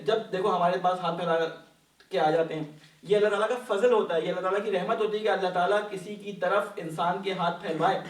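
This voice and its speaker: High-voiced man teaching in an echoey mosque. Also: far from the mic. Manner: patient, asks the class questions and answers them. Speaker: Quran study teacher. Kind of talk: explanatory religious lesson. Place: mosque hall. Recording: echoey hall, voice from off-mic.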